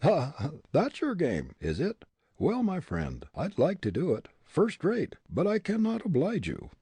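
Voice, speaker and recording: Male reader doing a proud young prisoner, raised pitch, husky. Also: huge pitch swings, measured pace, dark tone, no room sound, exaggerated voice. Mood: wry. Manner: proud, scornful.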